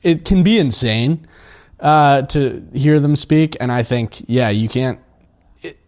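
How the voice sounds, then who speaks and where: Guy cohosting a podcast, mid-pitched voice, earnest, thinks out loud with lots of uh and like. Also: takes it slowly. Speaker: podcast co-host. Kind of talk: casual conversation.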